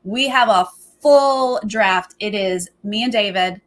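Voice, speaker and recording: A woman's voice: medium pitch, slow pace. A woman hosting a reality TV fan show, chatting casually with teasing, opinionated reactions.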